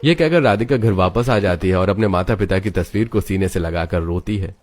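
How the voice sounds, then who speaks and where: A man giving scripted story narration in an even, matter-of-fact way. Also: deep voice, brisk.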